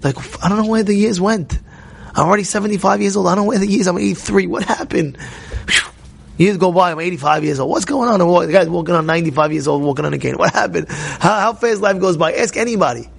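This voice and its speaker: A man's voice: sits high, quick pace, creaky, breathy edge. A man teaching a Torah class as a rabbi, pushing his points with repeated phrases and sudden emphatic bursts, asking questions and answering them himself. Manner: rises to emphatic near-shouts, repeats key phrases, asks and answers himself.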